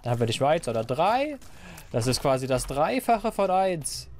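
A man giving casual, playful Let's Play commentary, talking to the game and his viewers, his voice a bit hoarse. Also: on the high side, big pitch swings, normal speed, slight background noise. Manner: playful, talks to the game and viewers, silly noises. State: slightly hoarse, clearing throat.

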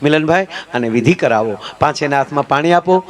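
A man telling folk comedy stories, animated and switching voices for his characters. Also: fairly high pitch, a little fast. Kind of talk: live folk comedy storytelling.

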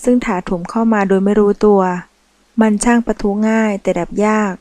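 A woman narrating a romance novel as an audiobook, reading in a slow, measured way. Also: mid-range voice, fairly even intonation, dark tone, no echo, low-quality recording.

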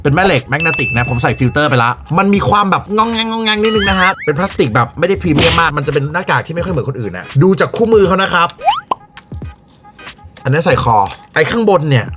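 A man hosts a casual unboxing vlog, rattling along at a quick pace. His voice sits a little high for a man, and he keeps up jokey, excitable chatter laced with swearing. Music plays clearly behind him. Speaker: tech reviewer.

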